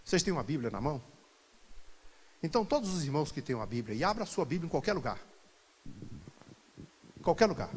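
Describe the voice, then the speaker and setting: A pastor leading a Bible study sermon to a congregation, swinging from quiet asides to loud, animated exclamations. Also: male voice, on the high side, quick pace, long pauses, breathy edge, long reverb tail.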